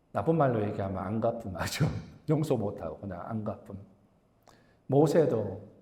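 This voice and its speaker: A man's voice: medium pitch, dark tone. A middle-aged man preaching a sermon to his congregation, talking to them directly and acting out the complaints of Bible figures. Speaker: pastor. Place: church sanctuary. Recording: echoey church hall with long reverb.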